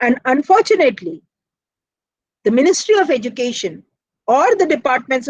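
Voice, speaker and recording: A woman with a Keralan accent speaks at a fairly quick pace in a high pitch with very wide pitch swings. The sound is dry and close, with no echo. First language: Malayalam. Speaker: education policy expert. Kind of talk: webinar lecture. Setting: online webinar.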